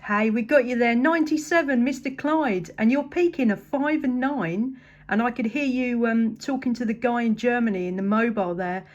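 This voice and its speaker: Heard through lo-fi audio, an English CB radio operator chats casually with a contact at moderate speed. Her voice is fairly high and her manner upbeat and appreciative.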